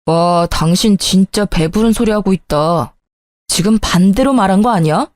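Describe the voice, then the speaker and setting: A woman's voice: mid-range voice, moderate pace, dry recording, natural voice. A woman voicing a young husband who is irritable and defensive in a spoken story. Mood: irritated. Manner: sulky, sharp-tongued, pleading at times. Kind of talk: storytelling with dialogue.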